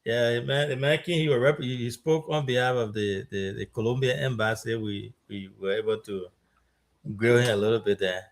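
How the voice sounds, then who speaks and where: Jovial talk show host. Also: male voice, mid-range voice, steady tone, moderate pace. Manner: jovial, thanks guests, banters. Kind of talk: live stream talk show.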